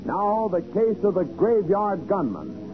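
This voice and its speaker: A man's voice: high-pitched, big pitch swings, takes it slowly. An American man announcing a 1940s radio show in an emphatic, declamatory style. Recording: dull vintage radio recording with loud music.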